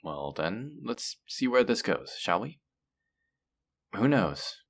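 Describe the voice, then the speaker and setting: A man's voice: on the low side, sing-song, takes it slowly, exaggerated voice. A man playing a feared supervillain in an audio roleplay, theatrical and businesslike, with a dry, politely condescending manner. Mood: businesslike, intrigued. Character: feared male supervillain, theatrical yet businesslike and dryly amused. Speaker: supervillain interviewing a job applicant. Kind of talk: audio roleplay acting, addressing the listener.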